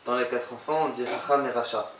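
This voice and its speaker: Man as a class participant with a forceful, bright tone, recorded at a distance in a reverberant room. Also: medium pitch, steady tone, brisk, slight background noise. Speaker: student asking questions. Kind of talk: informal class discussion. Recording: echoey room, far from mic.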